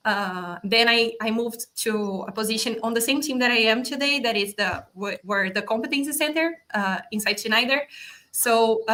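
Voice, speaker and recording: A woman's voice: a little high, pushed and bright. A young woman from Brazil, speaking English with a Brazilian accent, chatting upbeat as an interview guest. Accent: Brazilian Portuguese. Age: young adult. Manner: upbeat, many fillers and restarts. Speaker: guest, automation specialist. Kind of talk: casual interview chat.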